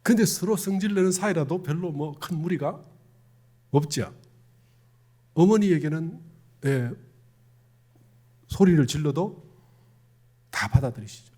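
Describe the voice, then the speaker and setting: A middle-aged man preaches a sermon in a Gyeongsang accent, his slightly high voice rising and falling a great deal. The tone is husky, and he talks with the congregation as much as to it, often asking them questions. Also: expressive, unhurried, long pauses, dark tone. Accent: Gyeongsang Korean. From Gyeongsang province, Korea. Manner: conversational, asks the congregation questions. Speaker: Won Buddhist minister.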